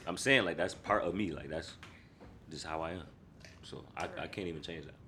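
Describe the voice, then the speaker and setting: A young man with an African American New York accent, chatting casually in slang as a podcast host. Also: fairly quick. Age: young adult. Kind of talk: casual group chat, slangy. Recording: noisy with low rumble.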